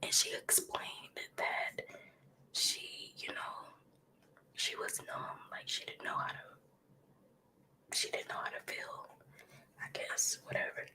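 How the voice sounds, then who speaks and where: A woman's voice: slow pace, pauses often, rough recording. Whispering woman with a cold. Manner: soft whisper with frequent ums and likes. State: getting over a cold, sniffling. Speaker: ASMR livestream host. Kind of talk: whispered ASMR commentary. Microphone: close ASMR microphone.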